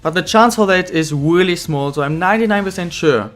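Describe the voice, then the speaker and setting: A man's voice: high-pitched, a little fast, fairly bright tone. A young man, slightly ill with a weak voice, rambling through gaming commentary with fillers and restarts. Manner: rambling, many restarts and fillers, non-native phrasing. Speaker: gaming YouTuber. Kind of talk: casual career-mode commentary. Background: faint music.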